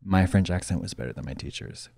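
A man in his thirties co-hosting a casual podcast chat, animated and prone to mimicking accents and voices. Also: low voice, fast, vocal fry, breathy edge, dry recording. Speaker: podcast co-host. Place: small decorated studio indoors. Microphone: handheld mic.

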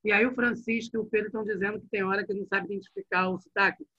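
A male teacher talks to his students in a bright, high, husky voice. He is lively and chatty, and speaks close and dry to a computer mic. The audio comes through dull and muffled. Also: very fast, dry recording. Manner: lively, chatty, addresses class directly. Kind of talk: online class.

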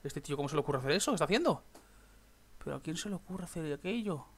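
Excitable young gamer, higher voice. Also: male voice, very fast. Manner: chatty, swears, bursts into excited shouts. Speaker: gaming YouTuber. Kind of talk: casual gameplay commentary.

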